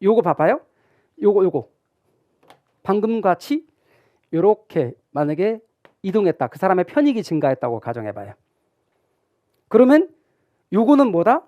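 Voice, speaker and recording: A man's voice: high voice, very animated, normal speed, pauses often, dark tone, no echo, highs cut off. A middle-aged man giving a classroom lecture, asking his students questions and answering them himself. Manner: acts out imagined student questions. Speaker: real estate exam lecturer.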